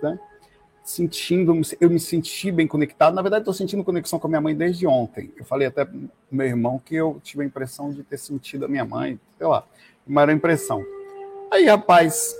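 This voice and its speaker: A middle-aged man casually telling an emotional personal story in an animated way, with many fillers. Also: a little high, breathy edge. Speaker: vlogger sharing a spiritual experience.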